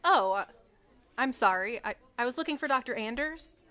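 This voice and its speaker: A woman's voice: on the high side, expressive, normal speed, a little hiss or hum. A woman playing a gracious, reassuring politician in a radio play, speaking politely and earnestly. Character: gracious, reassuring female politician on the campaign trail. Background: loud throbbing music.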